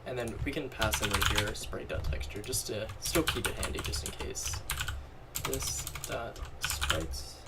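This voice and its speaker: A man's voice: on the low side, measured pace, heavy background noise. A man losing his voice a little, casually talking through a coding walkthrough, thinking aloud and correcting himself as he types. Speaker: programming tutorial host. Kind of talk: screen-recorded coding walkthrough. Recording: distant mic with loud keyboard clatter. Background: keyboard typing and mouse clicks.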